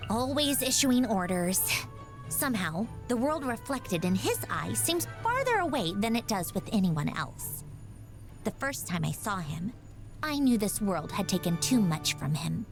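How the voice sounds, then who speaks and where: Proud, animated young woman inventor. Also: medium pitch, unhurried. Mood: reflective. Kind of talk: video game character voice lines. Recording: background music.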